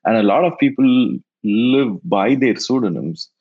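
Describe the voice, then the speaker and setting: A man whose first language is Tamil, answering interview questions in a halting way and often repeating words as he thinks. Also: mid-range voice, expressive, husky. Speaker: guest, NFT investor. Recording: dull lo-fi sound.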